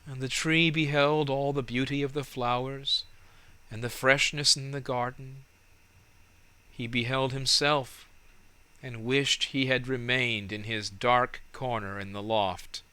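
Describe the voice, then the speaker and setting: A man narrating a storybook in a measured, dramatic and expressive way. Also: medium pitch, smooth. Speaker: audiobook narrator.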